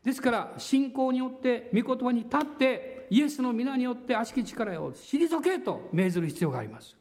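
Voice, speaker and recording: A man's voice: very high-pitched, animated, moderate pace, a little mellow. A man preaching a sermon to his congregation, earnest and self-deprecating, with firm, emphatic declarations. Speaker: pastor. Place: church service before a congregation.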